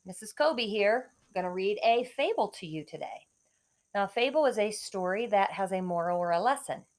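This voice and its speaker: Female schoolteacher storyteller, lively melodic range, expressive read-aloud delivery aimed at young kids. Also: mid-range voice, normal speed. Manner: expressive, clearly addressing children. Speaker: elementary school teacher reading to pupils.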